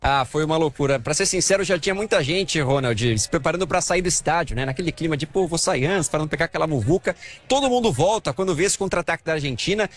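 Lively young Brazilian field reporter. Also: male voice, on the high side, quick pace. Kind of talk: live news report from the field. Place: outside a football stadium.

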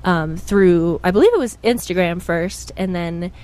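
Young woman guest, chatty and bubbly, pitched a little low, casual interview. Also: a little slow, darkish tone. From Pennsylvania. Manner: bubbly, chatty, full of fillers. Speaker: guest musician.

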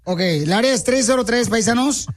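A man's voice: very high voice, animated, moderate pace. A man hosting a radio show, bantering playfully with a caller in slang. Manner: playful, slangy, calls listeners paisanos.

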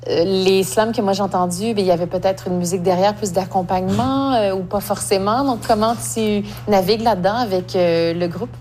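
A woman interviewer asking questions in a brisk, conversational way. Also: mid-range voice, a little mellow.

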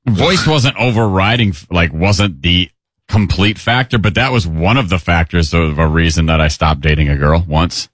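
A man's voice: low-pitched, moderate pace, a bit bright, no echo, clean studio sound. A man co-hosting a radio show, talking casually and hesitantly with frequent restarts. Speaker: radio co-host.

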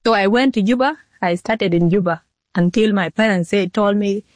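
A nineteen-year-old woman from Sudan, answering interview questions in a halting way with restarts. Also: mid-range voice, dry recording. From South Sudan. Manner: halting, repeats herself and restarts sentences. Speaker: model being interviewed.

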